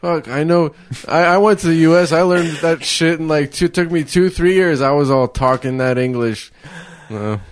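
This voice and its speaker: A man's voice: fairly high pitch, normal speed, hardly any pauses. A man hosting a comedy podcast, chatting casually and teasing his guest, laughing often. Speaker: podcast host. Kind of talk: casual chat.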